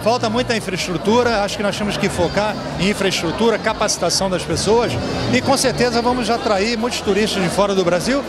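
A man's voice: high-pitched, a little fast. Upbeat man with a Rio accent. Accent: Rio de Janeiro Portuguese. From Brazil. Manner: upbeat promotional, frequent "né?" tags. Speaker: hotel general manager. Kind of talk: red-carpet interview. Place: indoor event hall, crowded party. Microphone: handheld mic held by interviewer. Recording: music and crowd behind.

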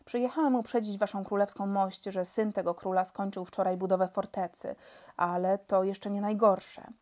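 Reading from a storybook in a mid-range voice with a steady tone at normal speed, a woman lightly acts out a calm, elegant, polite male spy chief. The character explains things in a mild, courteous, gentle-spoken way.

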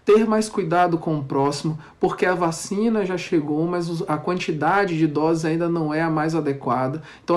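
A man, a doctor, explaining health measures on a video call from a room at home. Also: fairly high pitch. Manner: explanatory, advisory. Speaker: interviewed doctor. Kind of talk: recorded interview clip.

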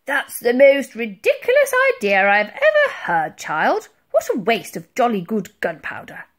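A woman voicing a pompous, blustering old male ship's Admiral in a children's story, booming and spluttering. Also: huge pitch swings, a little slow, full character voice. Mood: indignant bluster.

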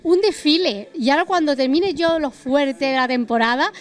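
A woman in her forties with a high, bright-pitched voice works as an interviewer at a restaurant event. She chats and keeps prompting with follow-up questions. She speaks into a handheld mic inside a busy restaurant. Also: moderate pace.

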